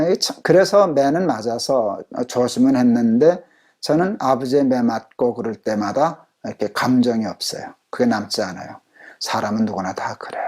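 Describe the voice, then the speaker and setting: Gravelly, husky Korean pastor preaching. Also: male voice, medium pitch, darkish tone. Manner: earnest, pleading, acts out quoted prayers. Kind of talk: sermon.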